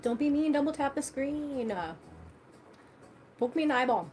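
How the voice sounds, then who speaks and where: A woman's voice: high voice, expressive, moderate pace, darkish tone, a little hiss or hum. A young woman hosting a casual livestream, chatting loosely and swearing freely while she eats. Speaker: livestream host.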